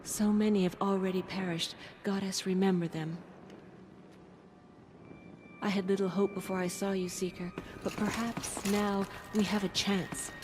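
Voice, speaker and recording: A woman's voice: mid-range voice, flat delivery, measured pace, noisy background, lightly acted. An actress playing a solemn, devout and weary tribal woman in a video game. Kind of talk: dramatic video game acting.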